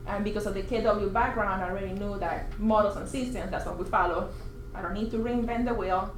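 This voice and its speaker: A woman from Puerto Rico telling a personal story at a team meeting, chatty and animated, acting out quoted remarks. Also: medium pitch, a little fast. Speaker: interviewed agent. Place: office meeting room. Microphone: far room camera. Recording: echoey room, faint hiss.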